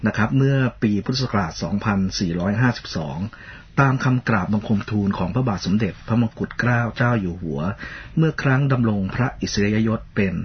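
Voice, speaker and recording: A man co-hosting a radio talk show in a polite, measured, formal way, often reading out a list of titles. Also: lowish voice, expressive, husky, muffled recording. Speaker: radio co-host.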